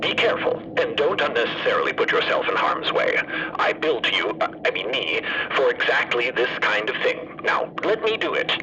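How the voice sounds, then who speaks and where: A man playing an earnest, theatrical robot scientist in an audio drama, eager, protective and deliberate in delivery. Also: medium pitch, sing-song, noisy background, lightly acted. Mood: protective, insistent. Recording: muffled radio-like filter, loud humming ambience.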